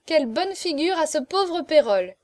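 A woman's voice: high-pitched, lively intonation, moderate pace, no echo, pitched above the performer's own voice. A woman voicing a spirited, fearless young gypsy woman in a storybook, teasing, knowing and proud. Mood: laughing delight.

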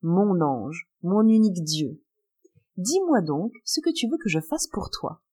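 A woman's voice: lowish voice, sing-song, a little slow, dark tone, husky, exaggerated voice. A woman reading an audiobook and voicing a cruel, lustful male minister with a gloating, callous manner. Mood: rapturous.

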